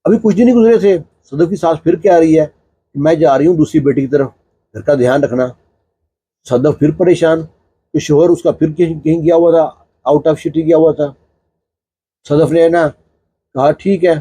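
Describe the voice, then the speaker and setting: Husky-voiced man telling a story. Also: on the high side, pauses often, mellow, no echo. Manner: conversational, filler-laden narrating. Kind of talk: casual spoken storytelling.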